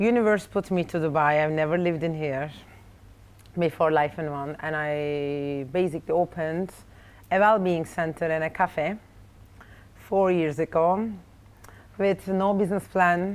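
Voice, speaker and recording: A woman with a fairly low voice is speaking. She leaves long pauses, and often. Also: ordinary pitch variation, moderate pace. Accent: Turkish. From Turkey (Istanbul). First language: Turkish. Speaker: well-being entrepreneur. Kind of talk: interview conversation.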